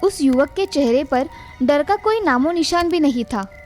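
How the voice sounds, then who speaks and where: Female storyteller, high voice, dramatic scripted narration over soft music. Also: animated, normal speed.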